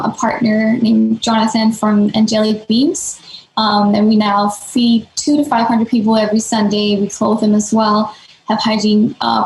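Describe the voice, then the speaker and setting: A woman's voice: on the high side, vocal fry. A woman, telling her story as a podcast guest in a casual way, with lots of "um" and "like". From Denmark. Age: late 20s. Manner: fluent, many fillers like "um" and "like". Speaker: guest, nonprofit founder. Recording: echoey room.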